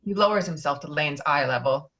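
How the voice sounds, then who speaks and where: A woman's voice: low-pitched, brisk, fairly bright tone. A woman narrating stage directions from a screenplay in a table read. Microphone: virtual table read over video call. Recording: dull lo-fi video call audio.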